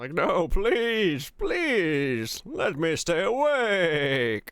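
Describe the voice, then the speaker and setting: A man's put-on character voice, high in pitch and very slow in pace. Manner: pleading.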